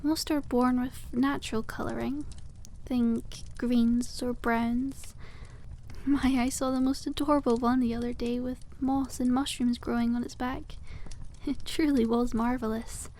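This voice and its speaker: A woman's voice: fairly high pitch, steady tone, unhurried, darkish tone, a little hiss or hum. A woman voicing a cute, cheerful young witch shopkeeper in an ASMR roleplay, with sweet, whimsical, genteel storybook phrasing. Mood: enthusiastic, informative. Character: cute, cheerful young witch running a dragon egg shop.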